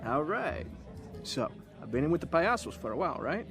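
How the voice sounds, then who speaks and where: An actor playing a cocky, chatty undercover cop in an audio drama, telling stories in a breezy, boastful way. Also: male voice, a little high, big pitch swings, brisk, creaky, fairly bright tone, faint music behind, heavily acted. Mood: storytelling.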